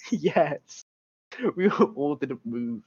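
A man's voice: on the high side, expressive, extremely slow, husky, no room sound, muffled recording. A man chatting casually as a podcast co-host, telling stories in a hesitant, rambling way with asides. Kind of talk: casual chat and storytelling.

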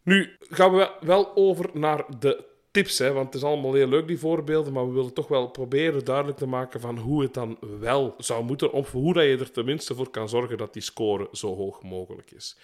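A man hosting a podcast, explaining in a relaxed, casual way. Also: medium pitch, normal speed. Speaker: podcast host.

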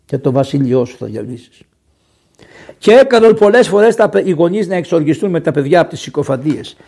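A man from Greece, a priest giving a sermon in a lively, conversational way, often raising his voice for emphasis. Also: on the high side. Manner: lively, conversational preaching with sudden raised emphasis.

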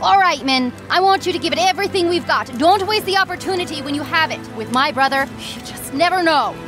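A commanding female pirate captain, as a woman plays her, who barks orders and answers with sharp retorts. Her voice is high and lively, rising and falling. Music runs under her lines. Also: brisk.

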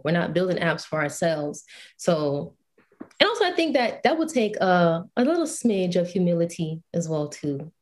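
A woman guest in a casual podcast interview, talking in an animated, emphatic way. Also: fairly low pitch. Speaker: guest, UI/UX designer and photographer.

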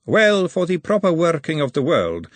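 Brief: a man doing a lofty noblewoman, raised and husky, dry close mic. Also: a little high, wildly swooping pitch, normal speed, no echo, pitched above the performer's own voice. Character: imperious aristocratic noblewoman, cool and proud. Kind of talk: audiobook character voice.

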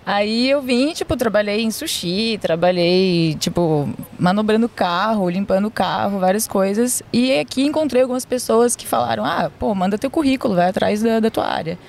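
A woman's voice: medium pitch, expressive, normal speed, gravelly, few pauses, a little mellow. Frank woman telling her story. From Florianópolis, Brazil. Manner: frank, slangy, swears. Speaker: podcast guest. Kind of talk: casual storytelling. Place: outdoors near a beach.

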